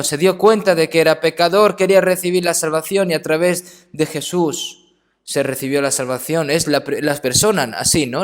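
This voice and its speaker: A man with a fairly high voice preaches conversationally, frequently tacking on short questioning tags. When he tells stories, he grows softer and slows down.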